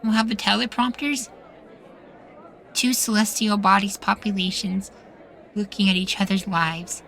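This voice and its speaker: A woman with a mid-range, gravelly voice speaks a little slowly in a steady tone, playing a meek, sweet young boywife in a futuristic ASMR roleplay. She sounds gentle and wondering, pleading softly with hesitant, trailing questions. The low-quality recording carries a faint crowd in the background.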